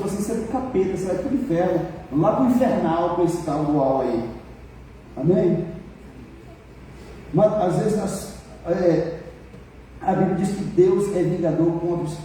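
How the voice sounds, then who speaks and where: A man preaching a sermon as pastor in a church, telling stories in a colloquial, animated way and calling on the congregation for responses. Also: sits high. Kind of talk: sermon with storytelling. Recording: echoey church hall, mic far off, faint noise.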